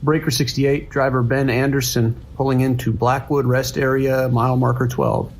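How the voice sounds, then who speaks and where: A man playing an earnest trucker on the CB in a horror radio drama. His mid-pitched voice is steady and concerned, with faint noise behind it. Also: moderate pace, lightly acted. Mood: searching, uneasy. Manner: plain, steady, concerned, clipped radio procedure. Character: earnest, worried male long-haul trucker and army veteran.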